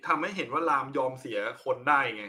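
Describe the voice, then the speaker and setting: A man's voice: on the high side, animated, fast talker, pushed and bright. A man explaining a film's plot enthusiastically in casual chat, swearing now and then. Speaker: film discussion panelist.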